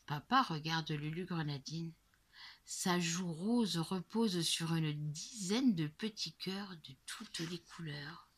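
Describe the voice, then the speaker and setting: A woman reading a children's story aloud, slow and expressive, often dropping to a whisper. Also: lowish voice, husky.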